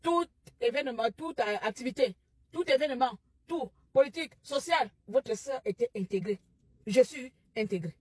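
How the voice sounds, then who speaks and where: A woman from Gabon with a Gabonese French accent, delivering an impassioned opinion monologue that rises to loud rhetorical outbursts. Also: high voice, expressive, normal speed, slightly rough, no echo. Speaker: commentary vlogger.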